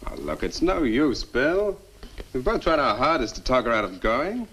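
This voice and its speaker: An actor playing a skeptical, argumentative scientist in a 1960 horror film, with a brisk, emphatic manner. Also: male voice, mid-range voice, very animated, background noise, natural voice. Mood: resigned.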